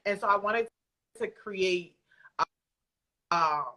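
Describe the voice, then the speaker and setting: A woman with a bright, forward voice, pitched mid-range for a woman. She answers as a guest in a casual online interview, informal and reflective, in halting phrases. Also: low-quality recording. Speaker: guest, audio drama creator. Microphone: remote video call.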